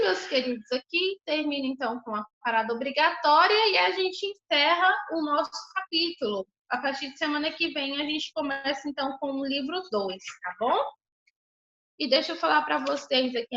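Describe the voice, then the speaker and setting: High bright woman teaching online. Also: expressive, normal speed. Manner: ends phrases with checking tags. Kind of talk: online class lecture. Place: home room. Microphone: computer on video call. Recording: echoey room, slightly dull sound.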